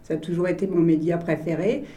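A woman's voice: fairly low pitch, steady tone, quick pace, warm tone. A woman with a Parisian French accent, answering conversationally as an interview guest. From Paris, France. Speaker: interview guest, health services executive.

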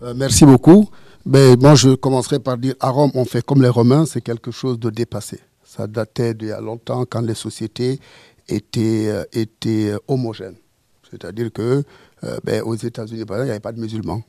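A man's voice: medium pitch, fairly even intonation, a little fast, mellow, dry recording, clean studio sound. A man arguing his side in a formal debate, impassioned and emphatic, often repeating himself for force. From French-speaking, living in Toronto.

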